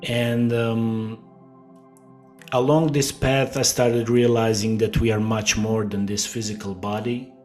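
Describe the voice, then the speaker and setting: Slow, hesitant low-voiced man. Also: level tone, darkish tone, soft background music. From Croatia. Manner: slow and hesitant, many fillers and restarts. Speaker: guest. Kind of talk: casual interview talk.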